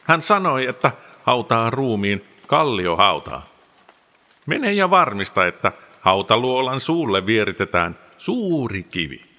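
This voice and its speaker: A man's voice: medium pitch, sing-song, sharp tone. A man playing an imperious Pilate. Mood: demanding. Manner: questioning, commanding. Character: Roman governor, man, imperious, demanding.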